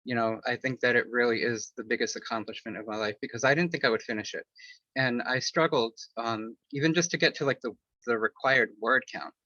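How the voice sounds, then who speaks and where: Guy with a bright voice rambling through an interview answer, lots of ums, dry dull-sounding recording. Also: mid-range voice, a little fast, no echo. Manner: rambling, many fillers and restarts; candid, personal. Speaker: author and interview guest.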